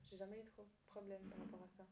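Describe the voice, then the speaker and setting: A woman's voice: medium pitch, little pitch movement, quick pace, gravelly, warm tone, a little hiss or hum. A young woman whose first language is Italian, answering interview questions with frequent hesitations and restarts. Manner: hesitant, many fillers and restarts. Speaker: student teacher. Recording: dull echoey room recording.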